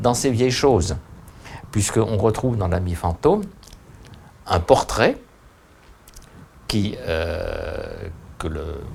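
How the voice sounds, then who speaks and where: Very slow delivery from a man at a medium pitch, with lively intonation. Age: 70s. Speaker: author. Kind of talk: interview. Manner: halting.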